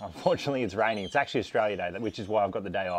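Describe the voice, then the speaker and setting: A man with a fairly low pitch speaks over light background noise. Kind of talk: casual vlog chat. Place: workshop. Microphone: lapel.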